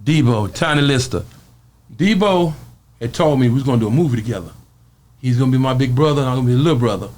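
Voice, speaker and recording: A man's voice: mid-range voice, expressive, fast talker, darkish tone. A man from the American South with a Southern Black accent, telling a story casually and colloquially, acting out what people said. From Southern US, Arkansas. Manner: acts out quoted speech, colloquial. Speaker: interview guest.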